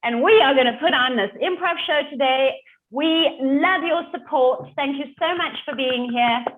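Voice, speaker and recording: Upbeat high-voiced woman host. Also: normal speed, narrow, tinny audio. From South Africa. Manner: encouraging, enthusiastic. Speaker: show host. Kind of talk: online improv show hosting. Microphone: video call.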